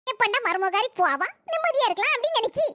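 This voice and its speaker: A woman's voice: extremely high pitch, big pitch swings, fast, fairly bright tone, a little hiss or hum, full character voice. A woman voicing a scheming neighbor who spreads gossip, in a cartoon comedy. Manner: breathless storytelling gossip.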